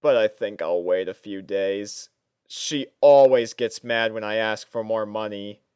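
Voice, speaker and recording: A man giving an expressive, dramatic first-person reading of a story as an exasperated student. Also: fairly low pitch, a little slow, smooth, no room sound. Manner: expressive, theatrical delivery with sighs. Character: exasperated young male student narrating his life with a roommate. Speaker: fan fiction reader.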